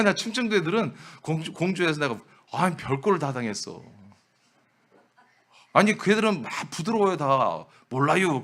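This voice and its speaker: Male pastor, lively and emphatic sermon delivery, swings his pitch widely. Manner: emphatic, talks straight to the congregation. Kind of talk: lively preaching to a congregation.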